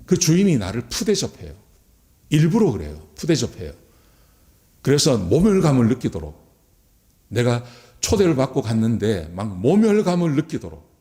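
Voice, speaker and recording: A man preaching a sermon as a pastor, addressing the congregation directly and acting out quoted speech. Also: mid-range voice. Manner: acts out quoted speech in lively voices.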